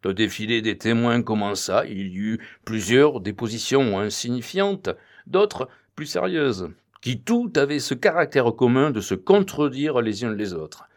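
A man's voice: mid-range voice, expressive, measured pace. Man reading a novel aloud. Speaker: audiobook reader. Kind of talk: read-aloud narration.

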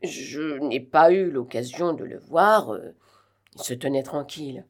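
A woman's voice: sits low, a little slow. A woman reading the lines of an evasive, hesitant male prison director.

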